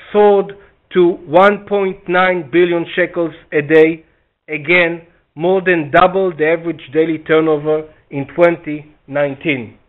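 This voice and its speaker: A man delivers a formal corporate presentation. He speaks in measured, scripted phrases, and the sound is a tinny, narrow phone line. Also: high-pitched. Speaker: stock exchange chief executive on earnings call. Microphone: conference call phone line.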